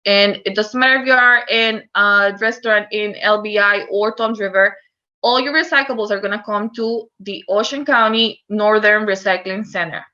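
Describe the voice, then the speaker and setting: With a steady tone at medium pitch, a Costa Rican woman speaks at normal speed in a pushed, bright voice, though the audio is dull. As a recycling educator, she gives an earnest online presentation on recycling, marked by her Costa Rican Spanish accent and many fillers.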